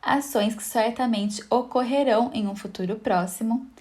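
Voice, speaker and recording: A woman with a Brazilian Portuguese accent teaching an exam-prep video lesson. Her voice sits a little high, and she walks through each point patiently, checking in with the viewer as she goes. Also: normal speed, darkish tone. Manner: friendly, explanatory, checks in with "tá?" and "né?".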